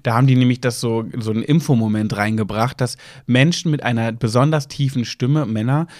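A man's voice: a little mellow, dry recording, clean studio sound. Playful man in his thirties, light voice. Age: 30s. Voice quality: fairly high, light male voice. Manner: playful, fast, self-mocking. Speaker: podcast co-host. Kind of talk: casual podcast chat.

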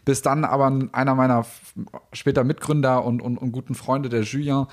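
A man's voice: mid-range voice, little pitch movement, normal speed. A young man from Belgium, a startup founder, talking as a guest in a casual interview, hesitant and thinking aloud with many fillers.

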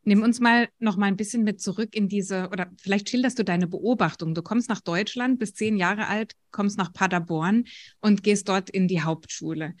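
Brief: woman in her thirties, interviewer, calm and measured. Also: mid-range voice. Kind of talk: interview questions.

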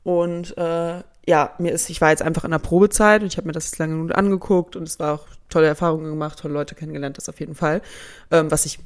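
Early 20s woman on a podcast, bit low voice, chill chatty, keeps restarting sentences. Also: fast. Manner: relaxed, chatty, trails off, restarts. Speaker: podcast co-host. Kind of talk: casual chat.

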